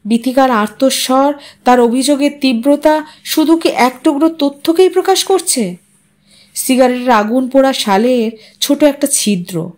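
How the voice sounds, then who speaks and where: A woman narrating a literary story in an expressive, measured, dramatic way. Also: fairly high pitch.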